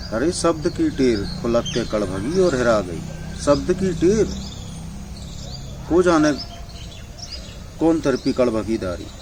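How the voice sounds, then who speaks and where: Amid noticeable background noise, a man with a medium-pitched voice speaks with very wide pitch swings and long, frequent pauses. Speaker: writer and professor. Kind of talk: storytelling in dialect.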